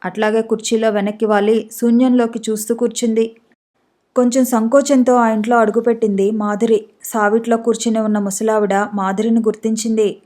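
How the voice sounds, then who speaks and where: A woman narrating a story for an audiobook in a calm, even reading. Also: on the high side, brisk.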